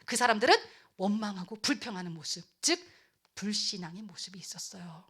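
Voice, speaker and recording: A woman pastor preaching to teenagers, animated, acting out voices and dropping to whispers for emphasis. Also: mid-range voice, brisk, breathy edge. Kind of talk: youth sermon.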